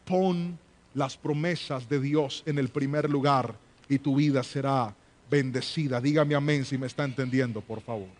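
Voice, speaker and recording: A man's voice: medium pitch, moderate pace. A man preaching a sermon as associate pastor, using rhetorical questions and call-and-response with his congregation in a church.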